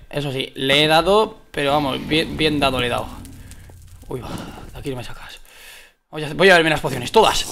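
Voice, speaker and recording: A man with a Spain Spanish accent talks through a video game in an excitable, restless way. His pitch leaps all over as he drops to mutters and bursts into shouts. Steady noise hisses under the home recording. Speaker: gaming video creator. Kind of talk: excited gameplay commentary.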